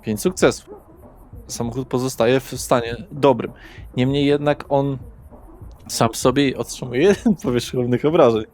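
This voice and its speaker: A man's voice: medium pitch, fairly even intonation, moderate pace, a little mellow, slight background noise. A man running a tabletop roleplaying game, casually narrating action and calling for dice rolls. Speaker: game master.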